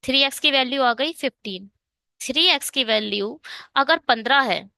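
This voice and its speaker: A woman's voice: high-pitched, pushed and bright, no room sound, studio quality. A woman teaching an online exam-prep math lesson, working through a problem step by step and asking and answering her own questions.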